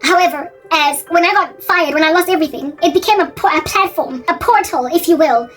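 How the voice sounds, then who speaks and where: High-voiced South African woman, rambling. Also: brisk, a bit bright. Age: 40s. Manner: rambling, often correcting and repeating herself. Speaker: faith vlogger. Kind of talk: casual talking-head monologue. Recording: distant mic with background music.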